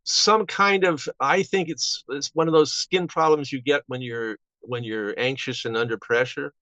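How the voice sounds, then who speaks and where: A man in his seventies reminiscing casually as an interview guest, halting and rambling with false starts. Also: medium pitch, bright, forceful tone, dry recording. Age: 70s. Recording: dull, band-limited audio.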